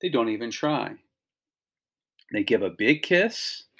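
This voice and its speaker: A middle-aged man with a medium-pitched voice and noticeable vocal fry. He speaks like a teacher leading a read-along for children. His phrasing is simple and explanatory as he points things out. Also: lively intonation, slow, fairly bright tone, a little hiss or hum. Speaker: teacher reading a picture book aloud to children.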